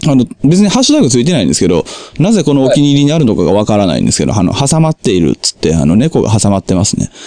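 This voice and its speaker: Against noticeable background noise yet with a dry, close sound and no echo, a man with a Kansai accent talks at a very fast pace and medium pitch, with very wide pitch swings and very even loudness. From Kansai, Japan (Amagasaki, Hyogo). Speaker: podcast host and musician. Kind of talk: casual chat. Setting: Skype call.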